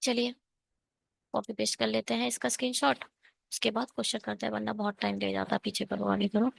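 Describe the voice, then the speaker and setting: A woman's voice: medium pitch, level tone, a little fast, creaky, husky, no echo, clean studio sound. A woman teaching an online exam-prep math lesson, working through a problem step by step and asking and answering her own questions.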